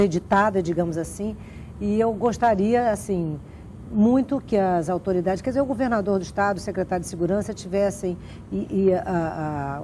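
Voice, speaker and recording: A woman's voice: mid-range voice, dark tone, slight background noise. A woman hosting a conversational interview, often breaking off and rephrasing as she goes. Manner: halting, self-interrupting. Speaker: programme host.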